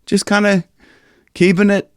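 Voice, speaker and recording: This forties-aged vocal coach from Ohio has a high voice, a level tone, and a measured pace. He teaches singing casually and chattily, breaking into sung lines now and then, with rasp in his upper range. With headphones on, he records on a stand-mounted studio microphone in a small room backed by a dark curtain, and the sound is dry and studio-quality.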